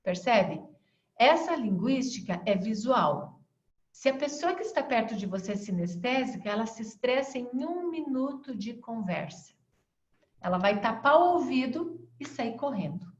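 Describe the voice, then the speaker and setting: A woman with a Brazilian accent teaching an online class, acting out fast, slow and melodic ways of speaking as examples. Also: big pitch swings. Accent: Brazilian Portuguese. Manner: demonstrates voice tones, shifting pace and pitch. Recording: echoey, dull lo-fi sound.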